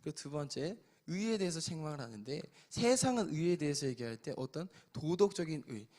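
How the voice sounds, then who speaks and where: A man preaching a sermon as pastor, swinging between loud exhortation and soft, quiet asides. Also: fairly high pitch, sing-song, a little fast. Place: church sanctuary.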